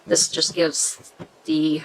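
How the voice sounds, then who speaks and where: A woman hosting a casual craft tutorial, chatty and hesitant, often pausing to search for words. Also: sits low, level tone, creaky, a little hiss or hum, low-quality recording. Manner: chatty, self-deprecating about pronunciation.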